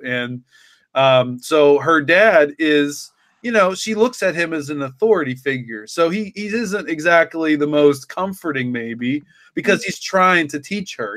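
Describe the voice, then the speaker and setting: Rambling man with a higher-pitched voice, close-miked. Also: a bit bright, no echo. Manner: rambling, explanatory, leans on "you know". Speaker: story writer and podcast co-creator. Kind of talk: casual podcast discussion.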